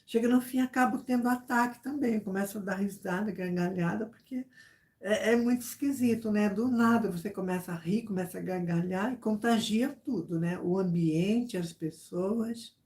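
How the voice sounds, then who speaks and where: Woman, casual YouTube storyteller, mellow and warm, lively retelling, lots of asides. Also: mid-range voice, moderate pace. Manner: animated, repeats phrases, many "sabe?" asides. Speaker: YouTuber chatting with subscribers.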